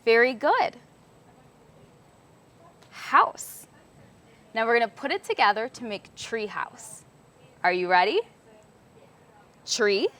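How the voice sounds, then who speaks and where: A woman's voice: on the high side, big pitch swings, slow, pauses often, fairly bright tone. A woman hosting a children's show, giving simple, encouraging instructions as if to young children. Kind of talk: scripted children's show presenting, teaching signs.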